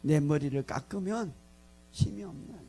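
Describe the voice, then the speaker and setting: A male pastor preaching a sermon, telling a story with lively acted-out lines and frequent laughter. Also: a little high, normal speed, breathy edge. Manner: animated storytelling, acting out lines, laughing often.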